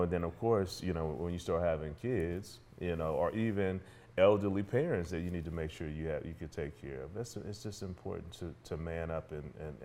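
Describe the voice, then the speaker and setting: Deep-voiced African American man in conversation. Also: mellow. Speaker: podcast guest, entrepreneur and author. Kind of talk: casual conversational interview.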